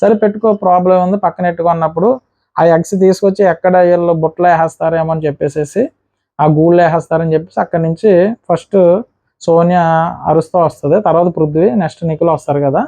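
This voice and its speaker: A man recapping a reality show episode in a casual, rapid way, acting out what the contestants said. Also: a little high, steady tone, mellow, no echo.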